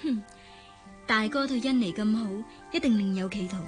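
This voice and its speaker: An actress with a Hong Kong Cantonese accent playing a lively, protective young sister in a radio drama, talking quickly and teasingly. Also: female voice, fairly high pitch, faint music behind, natural voice. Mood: worried.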